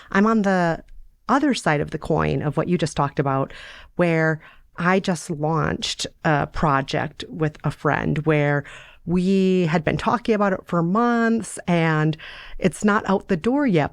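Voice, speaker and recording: A woman co-hosting a podcast in relaxed, casual conversation, upbeat and supportive. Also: fairly low pitch, no echo, clean studio sound. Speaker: podcast co-host.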